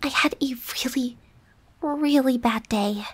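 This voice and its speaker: A woman playing a bossy, defensive but secretly affectionate young roommate in an ASMR roleplay, huffy with breathy whispered asides. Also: high-pitched, measured pace, fairly bright tone, heavily acted. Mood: tired, frustrated.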